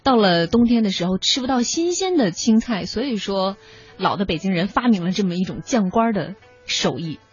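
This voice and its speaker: A woman's voice: mid-range voice, animated, normal speed, husky, faint music behind. A woman from Northeast China hosting a casual conversation, reacting and summing up for listeners. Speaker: host. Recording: muffled, dull lo-fi sound.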